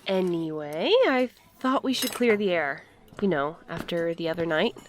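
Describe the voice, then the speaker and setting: A woman playing an earnest, conciliatory but determined friend in a naturalistic audio drama, speaking gently and with care. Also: fairly low pitch, normal speed, slight background noise, natural voice. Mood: friendly, tentative.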